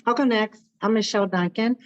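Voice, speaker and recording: An older woman from Texas introducing herself on a video call in an unhurried, plain way. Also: mid-range voice. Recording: muffled, dry call audio.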